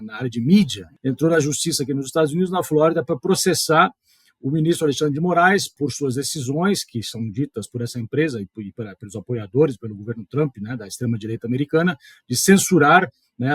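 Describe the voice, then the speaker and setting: A man's voice: medium pitch, slightly rough, no room sound, clean studio sound. A middle-aged man from southern Brazil with a southern Brazilian accent, a professor giving political commentary in a thoughtful, hedging way. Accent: southern Brazilian Portuguese. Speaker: history and politics professor, columnist. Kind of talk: video column commentary.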